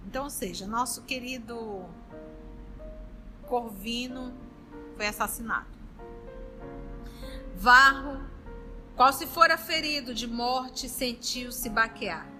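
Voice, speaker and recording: A woman leading a study group, chatting warmly and then reading a novel aloud. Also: on the high side, slow pace, long pauses, soft background music, rough recording. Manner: warm, chatty and lively between passages.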